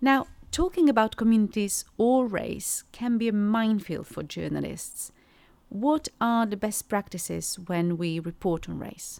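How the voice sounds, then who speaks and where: On a very clean recording with a silent background, a woman uses a plain, everyday voice, speaking at a fairly slow pace with lively intonation. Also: medium pitch for a woman. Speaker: podcast host. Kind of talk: interview.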